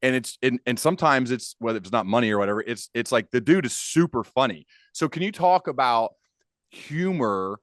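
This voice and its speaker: A man's voice: mid-range voice, lively intonation, moderate pace, fairly bright tone, no room sound. Man hosting a conversational podcast, dry close sound. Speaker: podcast host. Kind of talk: conversational interview.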